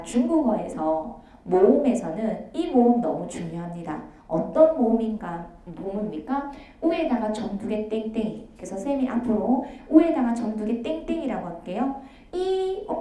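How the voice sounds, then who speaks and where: A woman's voice: on the high side, mellow. Teacher woman drilling pronunciation in an echoey room. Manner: brisk, repeats cue word then models each sound. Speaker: Chinese language teacher. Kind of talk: online lecture with call-and-response drills.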